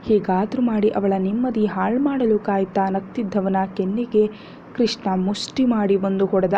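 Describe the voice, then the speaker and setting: A woman narrating a serialized romance story in a steady, dramatic storytelling manner, on a dull lo-fi recording with faint hiss. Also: mid-range voice, moderate pace.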